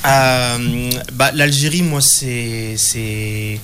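A man's voice: mid-range voice, extremely slow, fairly bright tone, slight background noise. Reflective man in his thirties. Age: 30s. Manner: reflective, repeats words while searching. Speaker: radio guest. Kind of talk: casual radio conversation.

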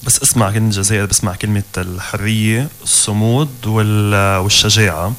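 A man with a Lebanese accent, a radio guest speaking earnestly with drawn-out pauses. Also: on the low side, fairly even intonation, fairly bright tone, a little hiss or hum. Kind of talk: casual radio conversation.

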